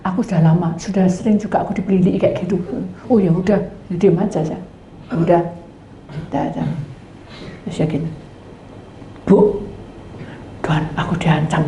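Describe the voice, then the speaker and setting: Low-voiced woman pastor telling a story. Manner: animated storytelling, acting out both sides of conversations, drops to whispers. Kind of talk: storytelling sermon. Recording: echoey room with faint background noise.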